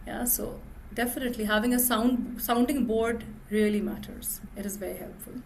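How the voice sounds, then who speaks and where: A woman's voice: fairly high pitch, fairly even intonation, moderate pace, gravelly, slight background noise. A woman speaker answering questions on a webinar, reflective, often affirming with a "yeah".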